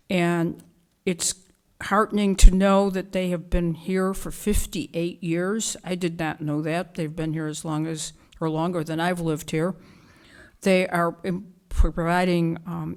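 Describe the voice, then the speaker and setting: A woman presenting an award at a village board meeting, speaking earnestly with some fillers and restarts. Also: fairly low pitch. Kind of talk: public remarks at a meeting. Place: council chamber.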